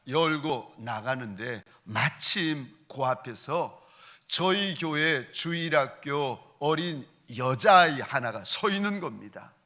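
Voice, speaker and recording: A male pastor telling a story during a sermon, with dramatic shifts in loudness and pace. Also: fairly high pitch. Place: church sanctuary.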